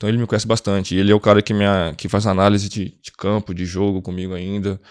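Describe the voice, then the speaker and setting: A man talks very fast in a fairly low voice with a Minas Gerais accent. His delivery is flat and monotone over a very clean, silent background. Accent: Minas Gerais (mineiro). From Minas Gerais, Brazil. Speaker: professional footballer. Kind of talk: podcast interview. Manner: halting, with false starts.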